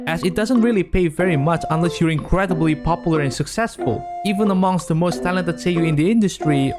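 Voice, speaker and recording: A man giving casual scripted YouTube commentary in a blunt, sweary, self-deprecating way. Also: sits high. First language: not Japanese. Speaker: YouTuber narrator.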